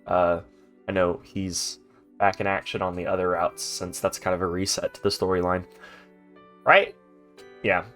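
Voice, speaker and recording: Let's-play host, a man with a congested, stuffy voice, deep-pitched and rambling, faint music underneath. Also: flat delivery, moderate pace, long pauses, fairly bright tone. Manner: rambling, chatty, many ums and restarts. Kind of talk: casual gaming commentary. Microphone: home recording mic.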